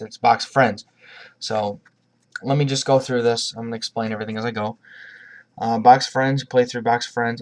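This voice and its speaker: A man presenting a card deck profile in a casual, rambling way, with frequent restarts and a cough drop in his mouth. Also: mid-range voice. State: has a cough, talking around a cough drop.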